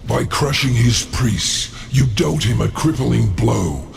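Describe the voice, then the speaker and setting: An actor playing a proud, scheming demon lord in a video game, with a gravelly voice and an imperious, theatrical manner. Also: male voice, mid-range voice, expressive, slow pace, big-room sound, a little hiss or hum, heavily acted. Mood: grave, commanding. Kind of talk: video game cutscene acting.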